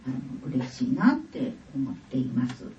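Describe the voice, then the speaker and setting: Lively-voiced woman writer, far and roomy. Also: rumbling low, measured pace, a little hiss or hum. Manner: hesitant fillers, warm laughs. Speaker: author guest at a book event. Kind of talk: public dialogue. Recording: distant, roomy, dull event audio.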